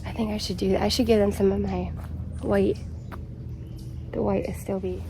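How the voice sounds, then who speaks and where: Breathless excited woman chatting away outside in her garden, average pitch, bit of outdoor noise. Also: moderate pace. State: slightly out of breath. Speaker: gardening vlogger. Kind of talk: casual vlog chat.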